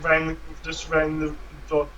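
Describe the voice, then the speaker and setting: A man's voice: fairly high pitch, monotone, takes it slowly, lo-fi sound. Black Country man, noisy stream audio. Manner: dry, teasing quips. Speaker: co-host. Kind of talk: casual live-stream banter.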